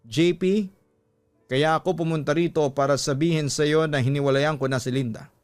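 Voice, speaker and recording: A narrator acts out a cheating husband in a radio love drama, a man desperate to be forgiven. He pleads in drawn-out phrases, fairly high, with music underneath. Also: steady tone, close to an everyday voice. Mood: earnest. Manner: pleading, drawn-out English phrases mixed with Tagalog.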